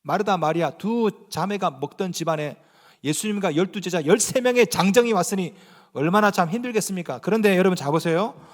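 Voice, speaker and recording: A male pastor preaching a sermon in church. He asks the congregation questions and swings between loud, emphatic lines and hushed, almost whispered ones. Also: high voice, a little fast, long reverb tail.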